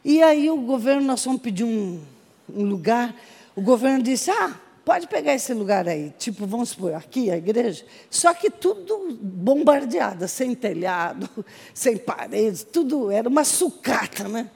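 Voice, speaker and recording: A Brazilian woman missionary telling her testimony to a congregation in a lively storytelling manner, acting out the voices of the people in her story. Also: a little high, measured pace, slightly rough. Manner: animated storytelling with acted quotes. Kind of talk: testimony sermon. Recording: reverberant hall.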